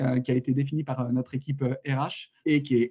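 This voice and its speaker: A dark, mellow tone with fairly even intonation. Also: man. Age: 30s. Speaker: head of sales at a recruitment platform. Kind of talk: interview. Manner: hesitant, repeats words.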